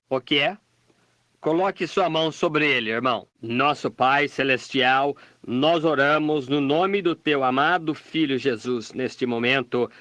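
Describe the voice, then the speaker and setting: A man reading a dubbed sermon and prayer in a plain, measured preaching delivery with small restarts. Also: a little high, a bit bright, no echo. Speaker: voice-over dubbing a preacher.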